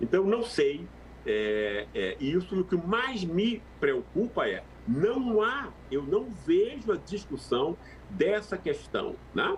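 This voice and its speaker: Man talking at a very slow pace amid noticeable background noise. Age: 60s. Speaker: sociologist and author. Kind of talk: interview conversation. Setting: live stream. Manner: halting, many fillers.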